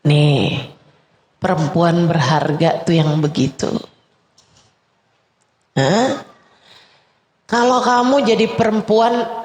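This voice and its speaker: A woman's voice: fairly high pitch, darkish tone. A woman preacher giving an emotional sermon, speaking fervently in repeated parallel phrases and often close to tears. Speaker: female Islamic preacher. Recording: echoey room, faint background hum.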